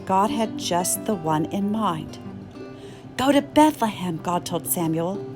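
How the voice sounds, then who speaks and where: A woman's voice: mid-range voice, animated, slow. A woman reading a scripted children's Bible story expressively, acting out bits of dialogue as she narrates. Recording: clear music under the voice.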